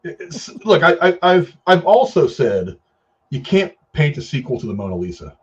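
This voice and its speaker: A middle-aged man casually giving his opinions in a film discussion, haltingly repeating and rephrasing himself for emphasis. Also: a little high, big pitch swings, husky. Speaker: film review show host. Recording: dull, lo-fi sound.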